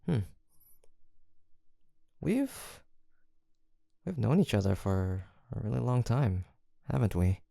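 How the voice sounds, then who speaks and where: A man's voice: mid-range voice, big pitch swings, takes it slowly, creaky, pauses often, dry recording, studio quality, exaggerated voice. A young man playing a college-aged best friend in an intimate audio roleplay, teasing and affectionate in a casual, playful way. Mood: tender, nostalgic. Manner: casual, playful, murmured hesitations and soft laughs.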